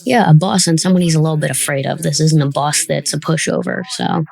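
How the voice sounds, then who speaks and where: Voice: medium pitch, fast, gravelly, a little mellow. A podcast host in a casual interview and commentary, talking in a thoughtful, encouraging way as the show's creator.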